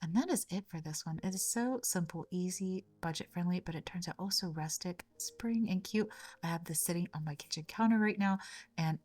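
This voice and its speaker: Hoarse woman with a cold, chatty. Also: on the low side, a little fast, a little mellow. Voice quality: slightly raspy, scratchy. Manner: chatty, step-by-step, frequent small repeats. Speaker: craft channel host. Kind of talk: casual craft tutorial narration.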